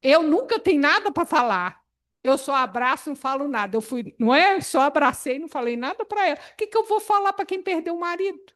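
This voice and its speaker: A woman, leading a spiritist study group in an animated, expressive way. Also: high voice, brisk. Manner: animated, expressive, laughs often. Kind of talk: spiritist Bible study talk.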